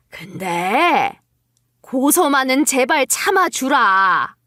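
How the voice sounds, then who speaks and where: A woman's voice: sits high, fairly bright tone, no echo, studio quality, full character voice. Woman acting a wheedling, scheming older mother-in-law. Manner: wheedling, condescending.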